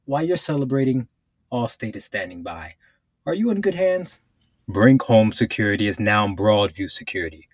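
A man's voice: lowish voice, very animated, moderate pace, no echo, studio quality. A man reading commercial voice-over scripts in a polished announcer delivery. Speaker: voice-over artist.

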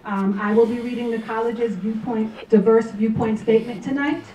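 Woman administrator, formal measured reading, high voice, roomy sound. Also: fairly even intonation, mellow, a little hiss or hum. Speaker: college administrator. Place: large lecture room at a podium. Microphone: podium mic, far camera. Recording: echoey room from far off.

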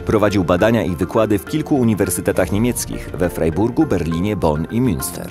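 A man reading scripted documentary narration in an even, formal manner over music. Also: low-pitched, fairly quick.

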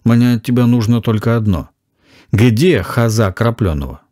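A man's voice: mid-range voice, animated, moderate pace, mellow, dry recording, clean studio sound, close to an everyday voice. A man voicing a grim young avenger who speaks curtly and with menace in an audiobook reading. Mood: threatening. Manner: curt, threatening. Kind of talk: audiobook character voice.

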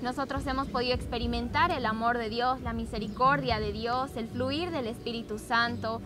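A young woman from Bolivia with a fairly high voice speaks with fervent conviction. She sits on an outdoor lawn, picked up by a distant camera, with clear music behind her. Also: steady tone, normal speed. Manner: earnest, fervent. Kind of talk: testimony to camera. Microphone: far camera.

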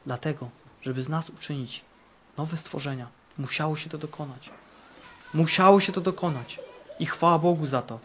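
Fervent Polish-speaking preacher, fairly high voice. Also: male voice, normal speed, slight background noise. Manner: fervent, repeats phrases for emphasis, swings between loud and hushed. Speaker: camp preacher. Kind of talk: sermon. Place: camp meeting.

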